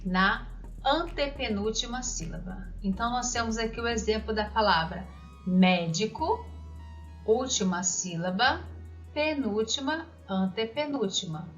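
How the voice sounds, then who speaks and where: This grammar lesson for children comes from a woman whose voice sits on the high side and is full of expression. She reads example words, spells them out slowly and deliberately, and asks the kids questions. The recording is lo-fi and dull, with music faintly audible.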